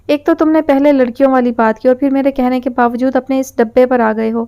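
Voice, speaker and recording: A woman's voice: high-pitched, fairly even intonation, clean tone, muffled recording. Woman reading as a stubborn, sulky young woman. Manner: pouting and argumentative.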